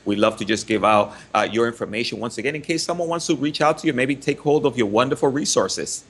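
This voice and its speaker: A man's voice: mid-range voice, animated, quick pace, a bit bright, husky. A man from the Dominican Republic hosting a Christian radio talk show, upbeat and chatty with frequent fillers.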